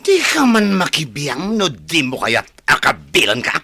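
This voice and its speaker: An actor playing Franco, a scheming, defiant man who mocks and shouts in a radio drama. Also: on the high side, wildly swooping pitch, measured pace, husky, heavily acted. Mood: angry. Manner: mocking, shouts when angry. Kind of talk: Ilocano radio drama acting.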